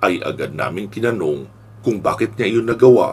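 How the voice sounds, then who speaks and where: Noticeable background noise sits behind a man who speaks at a moderate pace and medium pitch, with ordinary pitch variation. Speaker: narrator reading a listener's letter. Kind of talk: true-crime horror narration. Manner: grim, hushed, dramatic storytelling that builds dread.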